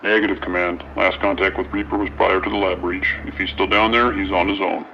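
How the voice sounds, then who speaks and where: An actor playing a cold, disciplined military operative with clipped, terse delivery over a field radio in a radio drama. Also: male voice, sits low, little pitch movement, fairly quick, vocal fry, muffled recording, slight background noise. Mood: tense, businesslike.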